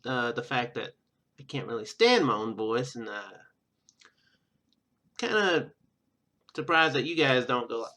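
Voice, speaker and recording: A man giving casual gameplay commentary in a halting, rambling, self-deprecating way. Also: mid-range voice, very animated, bright, forceful tone. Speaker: let's player. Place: indoor room at home.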